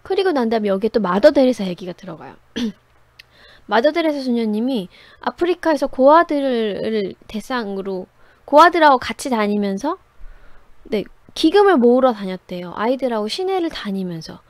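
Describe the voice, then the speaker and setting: Woman teaching a class, chatty story-telling, voice jumps all over, pretty high, dry close recording. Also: normal speed, dry recording. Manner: animated storyteller, conversational, laughs often. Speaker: writing instructor. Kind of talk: lively lecture with personal stories.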